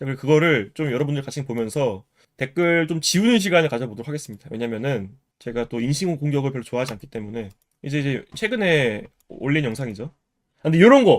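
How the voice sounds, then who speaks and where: The recording is very clean, with a silent background. A man speaks at a very fast pace, with a fairly high pitch and lively intonation. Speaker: magician and YouTuber selling magic products. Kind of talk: casual vlog talk reading comments. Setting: seated at camera, home video. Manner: varied pitch, pauses to breathe.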